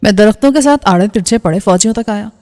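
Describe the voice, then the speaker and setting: A woman reading a first-person action novel aloud in steady storytelling narration. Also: medium pitch. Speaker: audiobook narrator. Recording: slightly dull with faint music.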